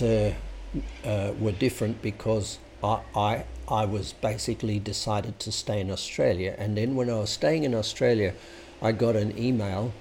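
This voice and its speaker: A man's voice: lowish voice, darkish tone, a little hiss or hum. A man telling a long personal story in a rambling, hesitant, anecdotal way. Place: Sydney home base.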